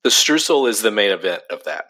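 A man's voice: fairly low pitch, big pitch swings, fairly quick, pushed and bright. A young adult man co-hosting a casual podcast chat, talking loosely with lots of fillers and easy laughs. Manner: chatty, laughs easily, frequent "like" fillers. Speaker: podcast co-host.

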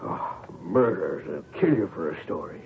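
A man's voice: low voice, sing-song, normal speed, gravelly, very noisy, exaggerated voice. An actor playing a brusque, protective father who coaches his daughter, in an old radio drama. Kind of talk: 1940s radio acting. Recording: tinny old radio broadcast.

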